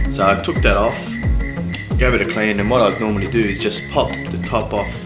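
A man talks over loud music playing in the background. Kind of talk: tutorial. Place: workshop. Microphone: camera far.

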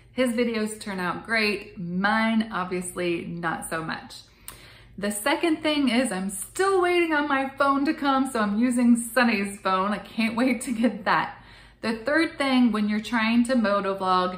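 There is audible room echo as a woman speaks at a fairly slow pace. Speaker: motorcycle vlogger. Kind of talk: casual vlog chat. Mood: cheerful, laughing at herself. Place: home room. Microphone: phone near.

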